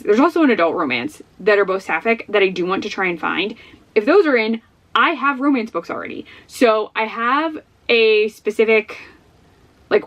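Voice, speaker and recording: A woman's voice: mid-range voice, a bit bright. A young woman vlogging to her camera in a chatty, rambling way, full of fillers and asides. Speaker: book vlogger. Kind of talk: casual talk to camera. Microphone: camera facing her.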